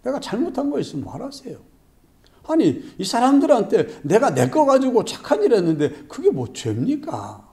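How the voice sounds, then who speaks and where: A man's voice: very high voice, huge pitch swings, normal speed, darkish tone, pitched above the performer's own voice, full character voice. A man voicing a landowner in a parable who firmly explains that he paid what he promised. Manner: reasoning, patiently arguing back. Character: calm firm landowner defending his fairness.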